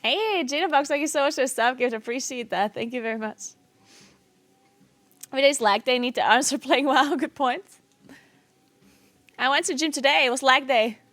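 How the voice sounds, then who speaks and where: A giggly game streamer and esports caster from South Tyrol, Italy, chats casually on a livestream in accented English, her second language. Her high, slightly bright voice holds a moderate pace with frequent pauses, and she laughs often. The recording is dry, with little room echo.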